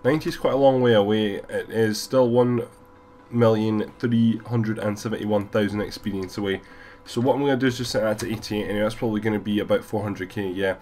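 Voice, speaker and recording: Male gaming vlogger, deep and low, sick with a cold, rapid rambling voiceover. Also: steady tone, a little mellow, a little hiss or hum. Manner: rambling, casual, many fillers. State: has a cold, stuffy. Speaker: gaming YouTuber. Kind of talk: gameplay voiceover commentary.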